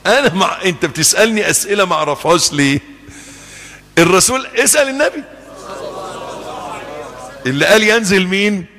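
Egyptian preacher in a reverberant hall. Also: male voice, sits high, a little fast, long pauses. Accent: Egyptian Arabic. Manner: animated, acts out dialogues with listeners. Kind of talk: sermon.

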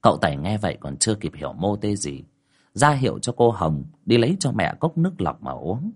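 Low-voiced guy telling a spooky story, really animated delivery. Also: brisk, breathy edge. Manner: lively, dramatic storytelling with voiced dialogue. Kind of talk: ghost story narration.

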